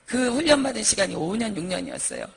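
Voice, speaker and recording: A woman's voice: medium pitch, wildly swooping pitch, fast talker, gravelly, slightly rough. A woman minister giving an earnest, vivid personal testimony, reliving her pleading prayers as she tells the story.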